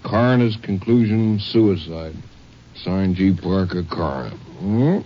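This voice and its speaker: A man's voice: sits low, animated, a little slow. An American man playing a folksy, easygoing Texas sheriff in a 1950s western radio drama, with a colloquial, hemming delivery. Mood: reading out. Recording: dull old 1950s radio recording.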